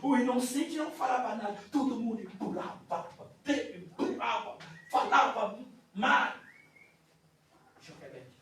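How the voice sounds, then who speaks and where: A male preacher tells his testimony in a slow, high voice that climbs and falls sharply. He moves from shouting to near-whispers. The sound comes from far off in a very echoey church hall. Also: animated, slight background noise. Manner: swings between shouting and hushed telling. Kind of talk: sermon testimony. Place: church sanctuary.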